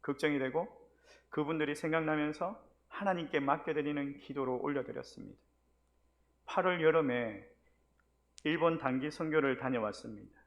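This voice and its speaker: Male pastor, middle-aged, slightly higher voice, sermon storytelling with acted-out lines. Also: normal speed, dull audio. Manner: storytelling, acting out his own scolding voice.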